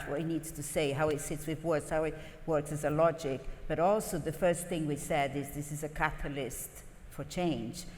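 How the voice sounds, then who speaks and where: A woman design partner on a live panel, explaining her thinking in a thoughtful, measured way. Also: low-pitched, a little mellow, slight background noise. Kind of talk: unscripted panel talk. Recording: reverberant live conference hall.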